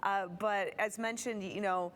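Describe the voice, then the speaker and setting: A woman's voice: medium pitch, steady tone, unhurried, a bit bright, a little hiss or hum. A woman hosting a broadcast interview in an enthusiastic, gushing manner. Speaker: TV show host.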